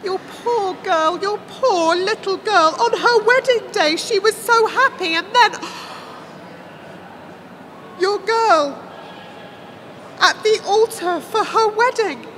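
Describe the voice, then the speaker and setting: Frenzied young seer girl in an audiobook, really high and bright, repeats herself. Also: animated, measured pace, slight background noise, heavily acted. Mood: pitying, anguished. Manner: repetitive, breathless outbursts, screaming at peaks. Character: frantic young prophetess gripped by visions, fearful, fervent.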